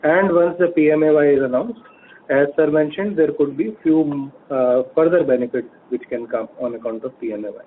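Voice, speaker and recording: A man's voice: a little high, brisk. An Indian-accented man answering financial questions as a company executive on an earnings call. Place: telephone conference call. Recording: phone-like audio with faint noise.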